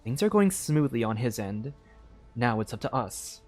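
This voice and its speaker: A man's voice: mid-range voice, very animated, normal speed. A man cold-reading earnest video game characters in scripted dialogue as he streams. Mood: businesslike. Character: earnest game characters discussing battle preparations.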